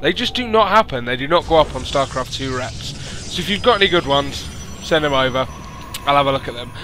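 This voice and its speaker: A man, hoarse from losing his voice, hosting and commentating a strategy game by himself and rising to excited announcing at big moments. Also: medium pitch, a little fast, noisy background. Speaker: esports caster and show host.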